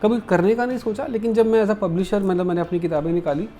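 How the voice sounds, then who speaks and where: High-voiced man, candid interview guest. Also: steady tone, fast talker, mellow. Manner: candid, reflective, mixes English phrases into his speech. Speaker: comics publisher and letterer, interview guest. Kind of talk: casual interview conversation.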